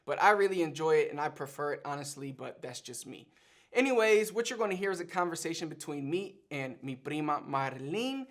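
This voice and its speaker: Puerto Rican man with a Puerto Rican accent, slightly high voice, chatty energetic language-channel host. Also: fairly quick. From Puerto Rico. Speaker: Spanish teacher and channel host. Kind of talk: casual teaching monologue to camera.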